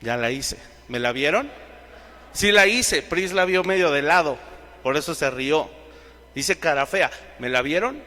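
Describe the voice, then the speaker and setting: Mexican male Bible teacher, fairly high voice, long hall reverb, quizzes the room. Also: unhurried. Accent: Mexican Spanish. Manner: questions the audience directly, lively. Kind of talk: sermon-style Bible teaching.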